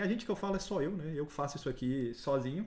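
A man with an unremarkable speaking voice talks at a fairly quick pace. His intonation is lively and his pitch fairly high. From Minas Gerais, Brazil (Betim); Minas Gerais, Brazil. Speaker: network engineering instructor. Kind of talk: live online lecture. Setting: live stream. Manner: casual, slangy. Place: home room.

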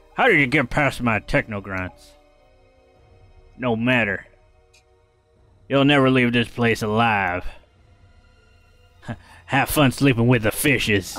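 A man's put-on character voice at medium pitch, fairly slow, with long, frequent pauses and faint music in the background. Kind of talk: gangster-style threat. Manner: menacing, gloating.

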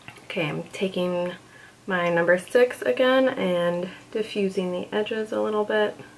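There is light background noise as a woman talks at a moderate pace. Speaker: beauty vlogger. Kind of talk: makeup tutorial and product review chat. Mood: relaxed, upbeat.

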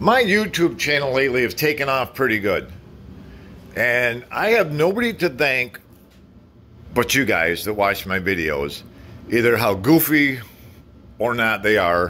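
A man with a bright, sharp tone and vocal fry speaks at a moderate pace with very wide pitch swings. Light background noise is present. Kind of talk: casual vlog chat. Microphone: phone near.

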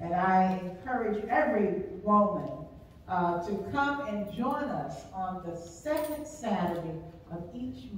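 Strong room echo and light background noise surround a voice that speaks at a fairly slow pace, with very wide pitch swings. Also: woman. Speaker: pastor. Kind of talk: sermon. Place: church. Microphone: camera far.

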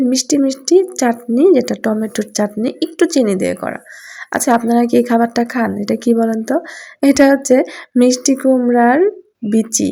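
A woman's fairly high voice, dark and mellow in tone, with fairly even intonation. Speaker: family vlogger. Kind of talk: casual vlog narration.

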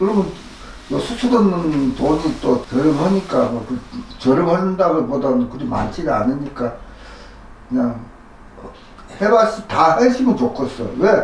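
A man talks at a fairly slow pace with long, frequent pauses, his fairly high pitch swinging very widely. Light background noise and audible room echo fill the recording. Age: 70s. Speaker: patient. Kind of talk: interview. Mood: candid, somewhat hesitant. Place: office.

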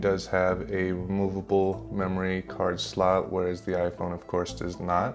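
A man's very deep, low voice at a moderate pace, with music in the background. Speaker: tech reviewer. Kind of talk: commentary. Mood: calm, informative.

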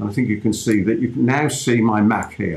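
Somewhat breathy, a man talks at a moderate pace. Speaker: coach. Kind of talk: tutorial. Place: office.

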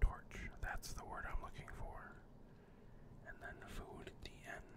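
A man whispering in a relaxed tone at a fairly slow pace, with big swings in loudness. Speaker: ASMR creator. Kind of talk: ASMR gameplay commentary. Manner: whispered; soft-spoken, relaxed.

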